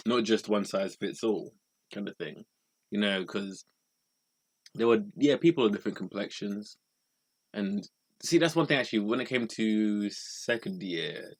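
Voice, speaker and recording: A man's voice: on the low side, normal speed. A young man who trained as an actor, chatting casually in a laid-back way on a podcast and laughing often. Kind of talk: casual chat.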